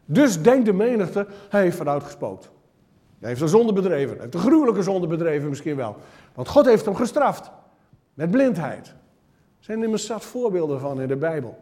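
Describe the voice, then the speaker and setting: A man preaching a sermon, telling a Bible story with animated, dramatic shifts between loud and soft. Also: on the high side. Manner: animated storytelling, acts out the crowd's hushing in a raised voice.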